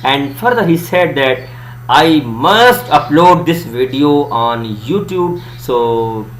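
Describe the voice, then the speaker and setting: A man's voice: medium pitch, animated, takes it slowly. A man with a South Asian accent and Urdu as his native language gives an educational presentation in an emphatic, didactic manner. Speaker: student presenter giving a lesson. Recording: echoey room, faint hum and hiss.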